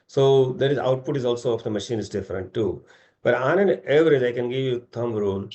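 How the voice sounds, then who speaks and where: A man's voice: mid-range voice, fairly quick, warm tone, lo-fi sound. A middle-aged man with an Indian accent, answering investor questions informally as a company executive in a rambling way, often seeking agreement with tag questions.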